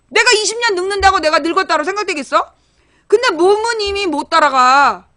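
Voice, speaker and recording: A woman speaks at a moderate pace in a raised, projected voice, her extremely high pitch, bright, sharp tone and lively intonation all standing out. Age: 40s. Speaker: political commentator. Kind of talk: political commentary monologue. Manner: casual, conversational.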